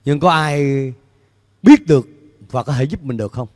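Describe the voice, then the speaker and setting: A high-voiced pastor preaches a lively sermon at a moderate pace, holding a handheld mic on an indoor church stage before a large screen. He poses questions to the congregation and gestures with his free hand. The large church gives the recording a long hall reverb.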